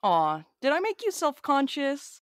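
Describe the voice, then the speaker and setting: An actress playing a defiant, sarcastic, blunt courier in an audio drama, talking in a casual way. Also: female voice, sits high, huge pitch swings, unhurried, no echo, studio quality, full character voice. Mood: sarcastic, bitter.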